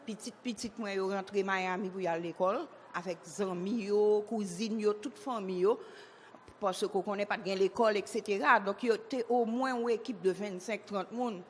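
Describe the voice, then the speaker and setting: A woman's voice: mid-range voice, fairly even intonation, normal speed. A woman tells a personal story in a plain, loose way. Her voice sits in the middle. It carries a long reverberation and a faint hiss. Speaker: interviewee. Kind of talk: casual personal account. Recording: reverberant hall.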